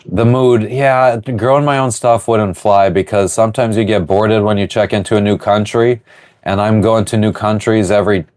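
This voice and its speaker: A man hosting a casual livestream from his sailboat, reading viewer comments aloud and rambling through relaxed answers. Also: lowish voice. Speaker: livestream host answering chat. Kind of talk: casual live chat. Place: on board a sailboat.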